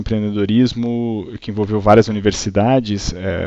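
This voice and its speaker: A man speaks with an interior São Paulo accent. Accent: caipira accent of interior São Paulo. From interior of São Paulo state, Brazil. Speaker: company CEO presenting a webinar. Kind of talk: webinar presentation. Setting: online webinar. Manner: many filler hesitations.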